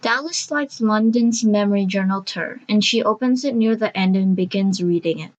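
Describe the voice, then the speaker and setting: A woman's voice: medium pitch, moderate pace, a little mellow, lo-fi sound. A woman reading scripted story narration for an audio drama.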